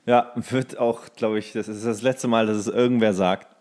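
Fairly low, slangy man. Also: steady tone, moderate pace, a little mellow. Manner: slangy, crude joking. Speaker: podcast co-host. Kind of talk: casual comedic chat.

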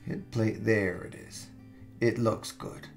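Guy w a gravelly voice doing a slow screen tutorial, soft guitar music behind. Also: lowish voice. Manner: relaxed, thinking aloud with fillers and restarts. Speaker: software tutorial instructor. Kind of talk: screen-recorded software tutorial. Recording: soft background music under voice.

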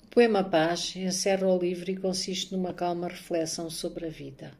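A middle-aged woman, introducing herself and reading her poems in a measured, soft-spoken way, recorded on a phone at home. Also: on the low side, steady tone. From born in Angola, raised there. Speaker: poet and maths teacher. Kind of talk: self-introduction and poetry reading. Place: home room, indoors. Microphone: phone camera at arm's length.

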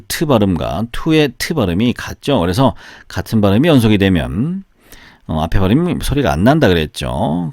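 A man teaches English sentence patterns, his pitch rising and falling animatedly. He drills each phrase slowly so it can be repeated. The sound is dry and close, with no room echo. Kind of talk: online English pattern lesson.

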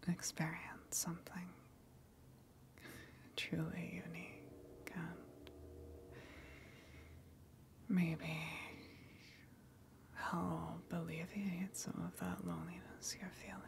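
A woman playing a gentle, coaxing eldritch tentacle monster in an ASMR roleplay, speaking hesitantly and considerately with long pauses. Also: on the low side, flat delivery, vocal fry, noisy background.

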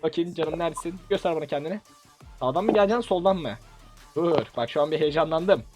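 A man's voice: on the high side, fast, faint music behind. A young man giving playful, teasing commentary on a shooter game match for his channel. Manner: playful, teasing, bursts of laughing shouts. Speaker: gaming YouTuber. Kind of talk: excited gameplay commentary.

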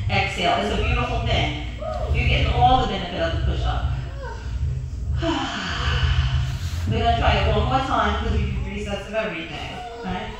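A woman's voice: medium pitch, background noise. A woman leading a gym class as a fitness instructor, counting reps and giving blunt, teasing cues. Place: large gym studio, indoors. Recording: echoey gym from far off, music behind.

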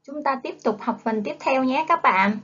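A high, husky, slightly bright female voice at a normal pace belongs to a primary school teacher with a Southern Vietnamese accent. She's running a coaxing phonics lesson and urges young children to repeat after her as they learn to read. The recording is dull, lo-fi classroom video sound.

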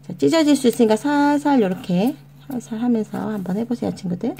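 A woman's voice: a little high, fairly quick, creaky, mellow, slight background noise. A woman hosting a children's origami tutorial, guiding step by step in a coaxing, sing-song way and talking to the kids as her friends. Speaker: children's origami channel host.

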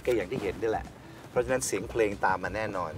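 A man's voice: on the low side, rapid-fire. An older man, the father of a family travel show, chatting and joking outdoors at a lakeside. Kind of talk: casual family chat. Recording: distant voice with music behind.

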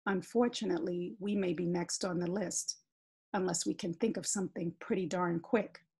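A woman's voice: on the low side, steady tone, moderate pace, creaky, warm tone, husky. A woman voicing an exasperated teenage girl who rants indignantly at her brother. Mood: worried. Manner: indignant, emphatic ranting.

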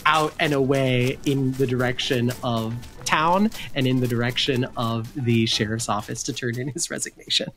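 Mid-pitched game master narrating. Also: steady tone, moderate pace, few pauses, fairly bright tone.

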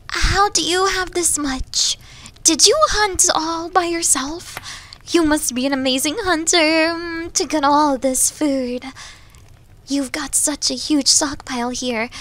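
A woman's voice: high voice, a little slow, fairly bright tone. A woman voicing a shy, starving young wolf girl in an ASMR roleplay, hesitant, apologetic and stammering, often slipping toward a whisper. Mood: delighted, admiring. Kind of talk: ASMR roleplay audio drama.

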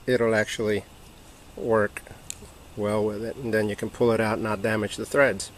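A man casually comparing two tools on a workbench, relaxed and halting, with many ums and uhs. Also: on the low side, a little hiss or hum. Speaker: hobby channel host reviewing tools. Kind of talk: casual hands-on product comparison.

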